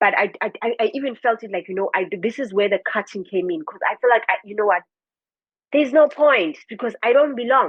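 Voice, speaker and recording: Here a woman talks at a fairly quick pace in a South African accent. Her fairly high voice has lively intonation. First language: Afrikaans. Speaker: podcast guest. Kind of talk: casual chat. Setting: studio. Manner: halting.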